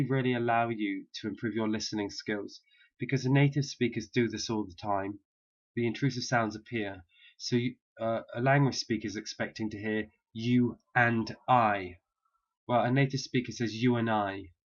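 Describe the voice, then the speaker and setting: A man teaching a pronunciation lesson, repeating sample phrases slowly and patiently for learners to copy. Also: mid-range voice, dull audio. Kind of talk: slow, drilled pronunciation lesson.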